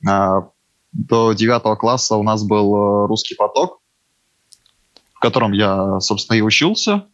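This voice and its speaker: Hesitant young man, Latgalian accent, low. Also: a bit bright, no room sound, highs cut off. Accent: Latgalian Latvian. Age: young adult. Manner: hesitant, halting, fillers. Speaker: guest, university student. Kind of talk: casual talk.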